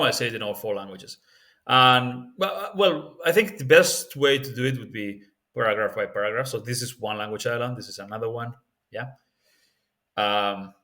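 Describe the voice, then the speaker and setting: Spanish accent guy teaching language stuff, casual, thinks out loud, lots of "yeah?". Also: on the low side. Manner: relaxed and thinking aloud, with frequent fillers and tag questions. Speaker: language-learning video host. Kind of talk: casual spoken tutorial.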